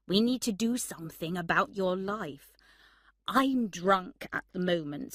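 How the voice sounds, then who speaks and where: A woman's voice: fairly low pitch, fairly bright tone, no echo, clean studio sound. A woman reading a letter from a slightly drunk young man, rambling and earnest.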